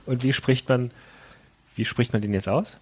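A man's voice: mid-range voice, fairly even intonation, moderate pace, slightly rough. A man co-hosting a casual football podcast, joking and stumbling over his words. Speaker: podcast co-host. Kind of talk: casual chat.

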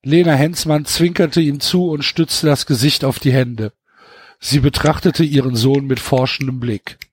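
A man's voice: medium pitch, fairly even intonation, a little slow, slightly rough, dry recording. A man hosting a podcast, reading a novel aloud and breaking off for mocking comments, stumbling over his words. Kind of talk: casual reading with mocking asides.

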